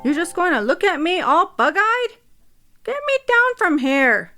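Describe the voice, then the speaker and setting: A woman's voice: very high voice, sing-song, a little slow, pushed and bright, soft background music, pitched above the performer's own voice, full character voice. A woman voicing her dead mother speaking through a smart speaker, scolding and tender by turns.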